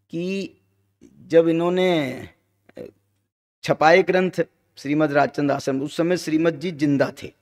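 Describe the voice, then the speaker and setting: A man giving a discourse on Jain scripture at an ashram, chanting verses slowly and teasing his listeners with jokes. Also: a little high, vocal fry, darkish tone. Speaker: scripture teacher. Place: ashram hall. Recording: long hall reverb.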